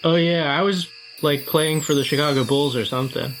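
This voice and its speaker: A man playing a tabletop role-playing game, speaking casually in a halting, offhand way. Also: on the high side, music in the background, low-quality recording. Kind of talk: casual improvised role-play.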